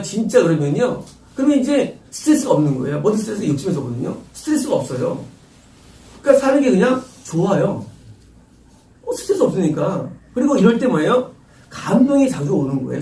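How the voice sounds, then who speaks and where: A middle-aged man preaches a sermon from a church sanctuary, his voice high and lively, swooping up and down as he hammers his points with rhetorical questions. His tone is dark and mellow, heard from some distance in a reverberant room. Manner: emphatic, rhetorical questions, repeats key phrases. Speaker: pastor. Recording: roomy echo, distant mic.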